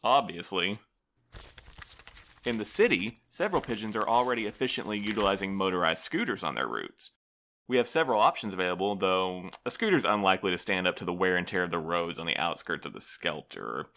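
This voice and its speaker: An actor playing a prim, officious postal supervisor in an audio drama, formal, polite and unflappable. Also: male voice, deep voice, very animated, fairly quick, bright, forceful tone, a little hiss or hum, full character voice. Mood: officious, bland. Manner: formal, bureaucratic, smoothly evasive.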